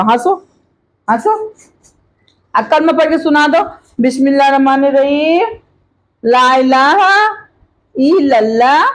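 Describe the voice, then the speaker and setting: A woman's voice: medium pitch, a little mellow, rough recording. An older woman, a grandmother vlogging at home, coaxing her baby granddaughter with repetitive sing-song baby talk into a hand-held clip-on mic. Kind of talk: home family vlog.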